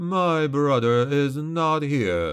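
A man performs a put-on character voice with a hissing sound. His pitch is fairly high and his intonation lively. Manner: hissing, menacing.

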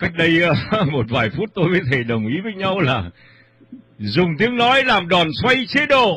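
Over noticeable background noise, a high-pitched man speaks fairly slowly with very wide pitch swings. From northern Vietnam (Nam Dinh). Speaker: radio host. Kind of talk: radio interview. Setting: studio.

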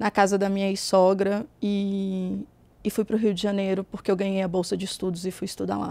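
A woman with a dark, mellow tone speaks at a moderate pace, the sound dry with no echo. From Brazil, interior of Minas Gerais. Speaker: e-commerce entrepreneur and educator; podcast guest. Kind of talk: casual chat. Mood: warm, storytelling. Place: studio. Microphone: studio mic.

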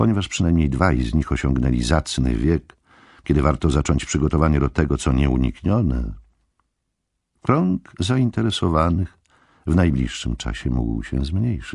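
A man's very deep, low voice with vocal fry, very even loudness and a moderate pace. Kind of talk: literary audiobook reading, scripted narration. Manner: even, measured, formal narrator's pace.

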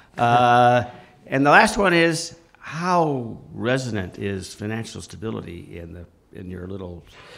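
Talking at a fairly slow pace, a man with an American accent makes very wide pitch swings and big swings in loudness. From United States. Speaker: audience member, former official in currency policy. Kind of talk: audience question. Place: hall.

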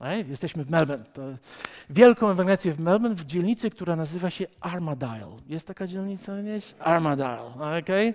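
Over a quiet background, a man with a Polish accent speaks fairly quickly at a high pitch, his intonation lively and his loudness swinging widely. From Poland, Warsaw. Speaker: pastor and theology lecturer; pastor, theology lecturer. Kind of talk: lecture. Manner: conversational. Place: church. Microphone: headset.

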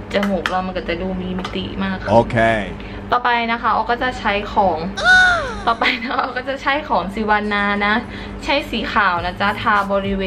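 A woman at a medium pitch against noticeable background noise. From Korat, Northeast Thailand. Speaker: beauty vlogger. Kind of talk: casual makeup tutorial talk to camera. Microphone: phone near.

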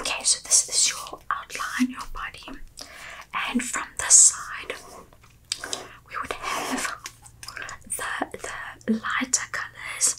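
A soft-spoken woman is whispering at a very slow pace. Noticeable background noise is present. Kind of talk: role-play sales consultation. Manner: soft whispered ASMR receptionist voice. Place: home room. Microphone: camera far.

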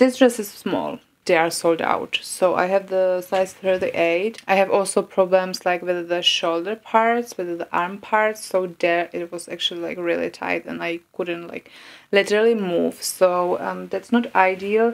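A woman talks at a fairly slow pace in a Czech accent. Her intonation stays fairly even. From Czech Republic. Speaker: fashion vlogger. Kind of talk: try-on haul vlog. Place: home room. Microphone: phone near.

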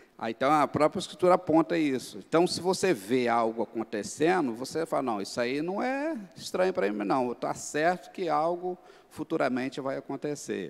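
Speaking at a moderate pace with hardly any pauses, a man uses lively intonation at a fairly high pitch. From rural Brazil. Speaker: church elder. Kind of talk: class discussion comment; audience comment in Bible class discussion. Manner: halting. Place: church. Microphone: handheld.

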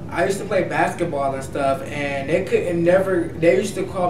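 With an American accent, a man talks at a fairly quick pace and a high pitch over noticeable background noise. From Cleveland, Ohio. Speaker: adult film performer. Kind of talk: interview. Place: studio.

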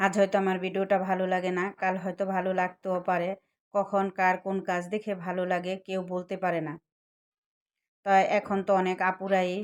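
A woman talks at a medium pitch in a monotone, flat intonation. The recording is very clean, with a silent background. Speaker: home cooking vlogger. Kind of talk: casual vlog narration.

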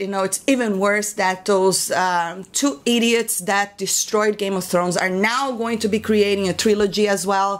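An animated tone at a moderate pace, with ordinary pitch variation. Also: woman. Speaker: film commentator and YouTuber. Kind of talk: angry rant about a film franchise, addressed to viewers. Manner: exasperated, fed-up, emphatic; animated, with repeated words and stumbles. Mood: frustrated, disappointed. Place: home room.

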